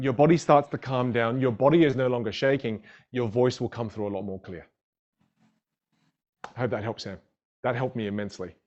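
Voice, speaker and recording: An energetic man whose first language is a Chinese dialect leads a live online public speaking class. His voice sits fairly high and swings widely as he talks with viewers in the chat. The stream audio is dull and lo-fi. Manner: animated, upbeat, addresses viewers in chat.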